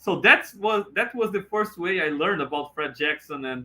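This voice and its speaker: In a non-native accent, the speaker moves at a moderate pace with lively intonation. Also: man. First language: Portuguese. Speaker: podcast host and former goalkeeper. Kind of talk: casual solo podcast monologue. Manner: halting, with frequent repetitions.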